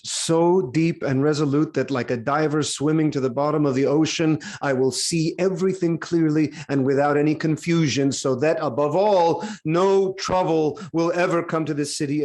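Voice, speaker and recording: An actor playing a troubled, grave king in a live reading of Greek tragedy, with weighty, deliberate delivery. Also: on the high side, darkish tone, close to an everyday voice. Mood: grave, resolute. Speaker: actor giving a dramatic reading. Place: online video call.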